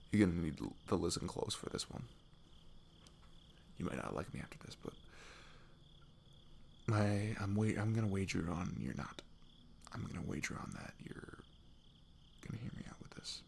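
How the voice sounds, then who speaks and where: A man playing a sweet, nervous young best friend in an intimate ASMR roleplay, speaking haltingly with a husky, breathy voice that drops toward whispers. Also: sits low, a little hiss or hum. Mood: awkward, playful. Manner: hesitant, halting, slipping into whispers.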